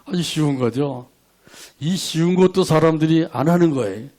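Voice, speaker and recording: Korean pastor preaching with rhetorical questions. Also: male voice, a little high, moderate pace, a little mellow. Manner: leads congregation in call-and-response verse reading; asks rhetorical questions, acts out quoted prayers. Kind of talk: sermon.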